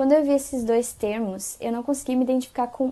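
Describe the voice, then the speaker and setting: High pitch from a woman, the tone dark and mellow. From Rio Grande do Sul, Brazil. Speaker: pre-recorded contributor. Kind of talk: recorded video message.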